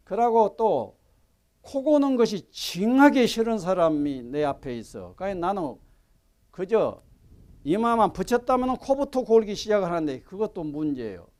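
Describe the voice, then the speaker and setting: The recording is very clean, with a silent background. A man speaks at a moderate pace in a high pitch that moves in very wide swings. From Jeolla region, Korea. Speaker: Buddhist monk and meditation teacher. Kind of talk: dharma lecture. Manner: conversational, colloquial.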